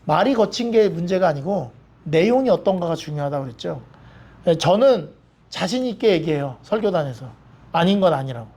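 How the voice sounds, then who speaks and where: A man's voice: fairly high pitch, expressive, fairly quick, a little mellow. A male pastor preaching a sermon in a church, blunt and plain-spoken, mixing jokes into stern points. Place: church sanctuary.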